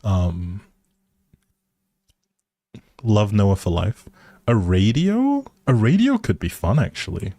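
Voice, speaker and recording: A man with a deep, low voice talks through a game livestream. He is unhurried and easygoing, thinking aloud as he goes. The sound is close and dry, with very little room. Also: very animated, warm tone, no echo. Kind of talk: casual livestream commentary while playing a life simulation game.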